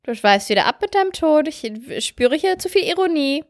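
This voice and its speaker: A woman's voice: sits high, very animated, normal speed. A woman co-hosting a casual chat podcast, teasing her co-host and laughing easily. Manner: teasing, giggly.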